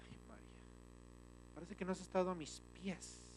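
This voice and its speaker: A man's voice: sits high, fairly even intonation, normal speed, a little mellow, slight background noise, natural voice. A man doing a smug, proud boaster. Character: proud, boastful man mimicking a haughty Jesus.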